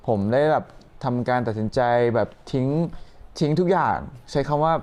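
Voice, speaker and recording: A young man, a guest, telling a personal story in halting sentences full of fillers. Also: medium pitch, a little mellow. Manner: hesitant, halting with many fillers.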